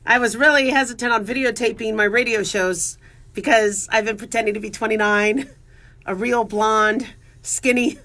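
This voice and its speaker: A woman's voice: fairly high pitch, fairly even intonation, moderate pace, sharp tone. A woman in her forties hosting a radio show, chatting in a casual, self-mocking, joking way. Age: 40s. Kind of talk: casual talk radio monologue.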